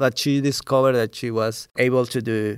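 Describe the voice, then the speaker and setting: This man talks with a Spanish accent and fairly even intonation. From Colombia, Santander (Piedecuesta). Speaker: artist. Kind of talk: interview. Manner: halting.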